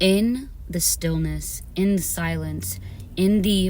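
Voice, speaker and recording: A woman's voice with audible room echo. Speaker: spiritual reader. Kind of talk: tarot reading monologue. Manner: fast; animated.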